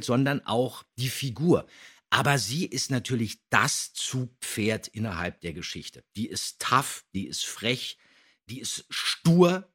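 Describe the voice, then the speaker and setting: A man with a slightly husky voice, talking casually as a podcast co-host reviewing stories. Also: mid-range voice, fairly bright tone. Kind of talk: casual podcast review of an audio drama episode.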